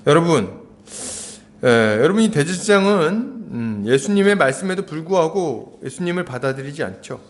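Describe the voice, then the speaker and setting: A man preaching a Sunday sermon, animated, asking the congregation rhetorical questions and acting out quotes with sudden shouts. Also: high-pitched. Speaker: pastor.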